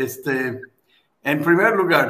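A man with an English accent speaks at a very slow pace and a fairly high pitch. His pitch varies in an ordinary way, and audible room echo surrounds him. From United States. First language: English (speaking Spanish). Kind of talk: interview.

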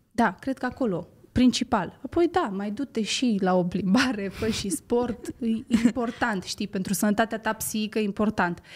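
A woman's somewhat breathy, fairly high voice at a moderate pace, with ordinary pitch variation, on a very clean recording with a silent background. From Romania, Bistrița-Năsăud (Beclean). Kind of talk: casual interview chat.

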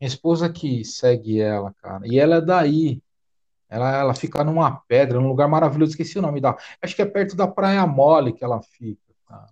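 Lively intonation with big swings in loudness over a quiet background. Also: man, fairly high pitch for a man. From São Paulo, Brazil. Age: 40s. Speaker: podcast host. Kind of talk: casual chat. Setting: video call. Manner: animated, excitable.

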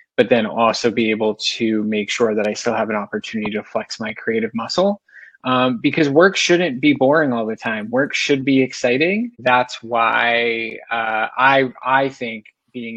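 Ordinary pitch variation and a moderate pace in a man's voice of medium pitch. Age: 40s. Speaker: HR consultant. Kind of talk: interview. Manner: halting.

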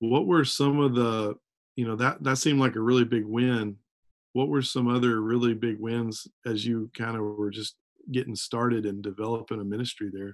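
At a moderate pace, a man talks at a medium pitch with fairly even intonation in an unremarkable speaking voice. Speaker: campus ministry staff, co-host. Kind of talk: casual interview. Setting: video call.

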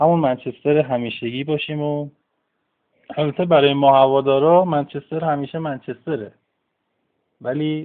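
A man's fairly high voice, fairly even in intonation, at a moderate pace broken by long, frequent pauses. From Iran, Shiraz. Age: 20s. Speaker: football fan podcast host. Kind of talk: casual chat.

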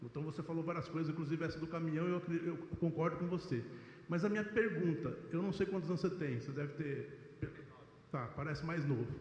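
Over noticeable background noise and audible room echo, a man with a fairly high pitch speaks fairly quickly but leaves long, frequent pauses. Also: ordinary pitch variation. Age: 50s. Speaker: audience member asking question. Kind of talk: audience question.

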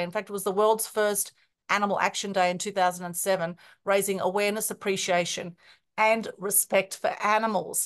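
A woman talks at a medium pitch and a fairly quick pace, with an Australian accent. Her pitch varies in an ordinary way, and the background is quiet. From Australia, northern beaches of Sydney. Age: 40s. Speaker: media coach and TV host. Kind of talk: podcast interview.

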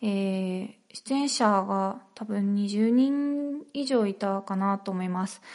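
A medium-pitched woman with ordinary pitch variation over a quiet background. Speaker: podcast host. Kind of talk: solo monologue podcast. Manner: many filler hesitations.

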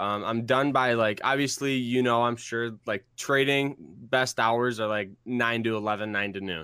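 Speaking with an American accent, a man has a bright, sharp tone at a medium pitch with ordinary pitch variation, on a very clean recording with a silent background. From Michigan. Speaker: day trader and YouTuber. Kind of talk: interview. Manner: casual.

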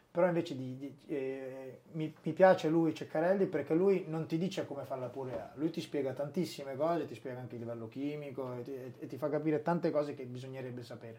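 The tone is dark and mellow, with big swings in loudness, ordinary pitch variation, hardly any pauses and a fairly quick pace. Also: man, fairly high pitch for a man. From Emilia-Romagna, Italy. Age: 30s. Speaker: podcast host and bartender. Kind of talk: casual interview chat.

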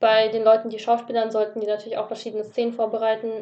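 Very fast talk from a woman with a fairly high pitch. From Germany. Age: 20s. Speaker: student and entertainment trainee. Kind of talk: casual interview. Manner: casual, filler-heavy.

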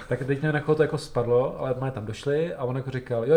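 A man with a fairly high pitch and a dark, mellow tone talks at a fairly quick pace, somewhat breathy, with fairly even intonation. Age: 40s. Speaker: podcast host. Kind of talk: casual interview. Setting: on location in an office.

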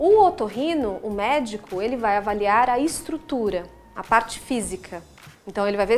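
A woman's ordinary speaking voice, fairly high in pitch, at a moderate pace. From Minas Gerais, Brazil. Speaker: speech therapist and vocal coach. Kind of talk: interview.

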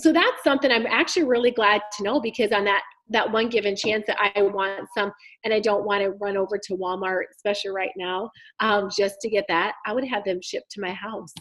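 A woman speaks with an American accent at a fairly quick pace. She has an unremarkable speaking voice with ordinary pitch variation. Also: medium pitch for a woman. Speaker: personal trainer and health coach. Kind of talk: casual chat.

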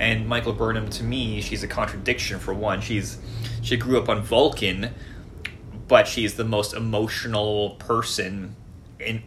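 A fairly slow voice with a Canadian accent over noticeable background noise. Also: man. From Canada. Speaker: podcast host. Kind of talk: casual chat over beers.

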